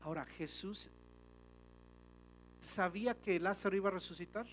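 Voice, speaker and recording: A male pastor delivers an emphatic sermon, his slightly high voice rising loud and then dropping to a hush. He often turns to his listeners and calls them brother. A faint hum of background noise runs underneath. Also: normal speed, rough recording. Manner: emphatic, with swings from loud to hushed; often addresses listeners as "hermano".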